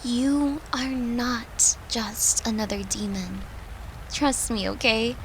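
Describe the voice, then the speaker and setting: A woman playing a gentle, devoted girlfriend who soothes her lover in an intimate comfort roleplay, speaking tenderly and reassuringly in a soft, hushed voice. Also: a little high, steady tone, takes it slowly, a little hiss or hum, rough recording. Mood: fond, reassuring.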